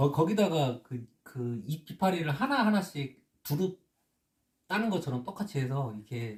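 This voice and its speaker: A man speaks at a fairly slow pace with very wide pitch swings. His voice is somewhat breathy. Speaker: rural life YouTuber. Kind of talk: casual family conversation.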